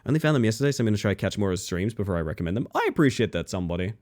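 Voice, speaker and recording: Sleepy male streamer with lively pitch. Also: rapid-fire. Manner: friendly, rambling, thanks viewers. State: sleepy, crackly voice. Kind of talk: casual stream sign-off chat.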